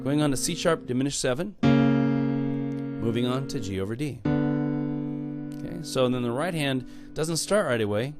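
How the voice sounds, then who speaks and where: A man's voice: mid-range voice, lively intonation, normal speed, long pauses. A man teaching a piano lesson in a casual, playful way, joking and exclaiming between chord demonstrations. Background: piano playing.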